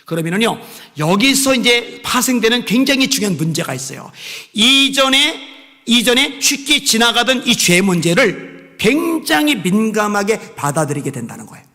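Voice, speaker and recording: A man pastor preaching a sermon with impassioned swings between soft pleading and raised exhortation. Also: sits high, sing-song, moderate pace, long reverb tail.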